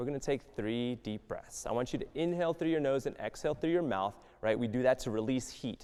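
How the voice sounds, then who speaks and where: With an American accent, a man of medium pitch talks at a fairly quick pace in a dark, mellow tone with ordinary pitch variation. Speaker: mental health speaker. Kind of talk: talk to student audience; guided breathing exercise. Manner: fast.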